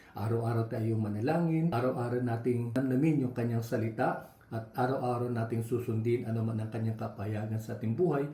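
Speaking in a Filipino accent, a man moves at a fairly quick pace with fairly even intonation. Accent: Filipino (Tagalog). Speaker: devotional leader. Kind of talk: fervent prayer. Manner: earnest, reverent.

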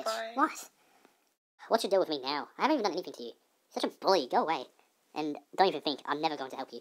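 Delivered in a put-on character voice at a middle pitch, the speech runs at a very fast pace broken by long, frequent pauses. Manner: snarky, whiny, mock-British.

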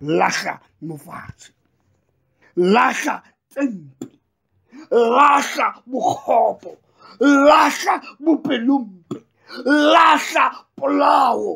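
Speaking in an extremely high pitch, a man talks very slowly with lively intonation, long, frequent pauses and big swings in loudness. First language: Setswana/Sepedi. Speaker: pastor. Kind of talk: sermon.

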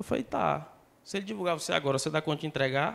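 With a northeastern Brazilian accent, a man talks at a very fast pace. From Brazil, Northeast. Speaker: co-speaker at business seminar; speaker. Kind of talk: live seminar talk. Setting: stage with live audience. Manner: joking. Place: hall. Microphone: handheld.

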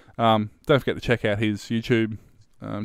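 Over a quiet background, a man with an Australian accent talks at a moderate pace in a fairly low, flat monotone, the sound dry with no echo. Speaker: tech podcast host. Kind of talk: casual chat. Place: home room.

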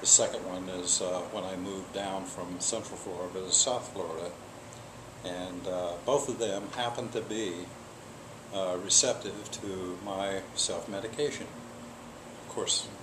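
A man with a very deep, low voice speaks at a fairly slow pace with ordinary pitch variation over noticeable background noise. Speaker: cancer patient. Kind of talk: testimonial interview answer. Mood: calm, hopeful. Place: garden. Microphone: camera far.

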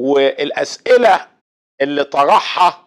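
A man with an Egyptian accent talks at a very slow pace with fairly high pitch against a quiet background. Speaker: talk show guest. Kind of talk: religious debate interview. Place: studio. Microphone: lapel.

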